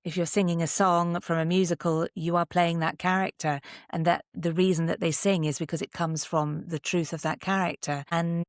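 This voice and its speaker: Middle-aged British woman, lowish pitch, reflective, articulate, conversational interview tone, very dry recording. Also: little pitch movement, normal speed, few pauses, no room sound. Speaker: podcast guest, actor and voice artist. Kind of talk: conversational interview, sharing advice.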